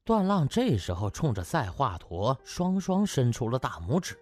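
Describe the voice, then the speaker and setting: A man's voice: medium pitch, very animated, moderate pace, no echo, clean studio sound. A man narrating a comic novel as a scripted, dramatic audiobook.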